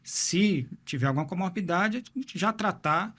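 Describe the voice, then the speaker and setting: A man, speaking as a cardiologist in a podcast interview. His voice sits somewhat high for a man. He explains step by step and often repeats a word as he finds the next one. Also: expressive, unhurried, fairly bright tone. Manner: explanatory, repeats words while thinking. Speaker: cardiologist guest. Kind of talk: medical interview.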